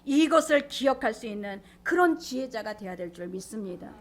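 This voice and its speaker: High-voiced woman pastor preaching emphatically. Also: expressive, brisk. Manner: emphatic preaching, acting out quoted lines, sudden whispers. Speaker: senior pastor. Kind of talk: sermon.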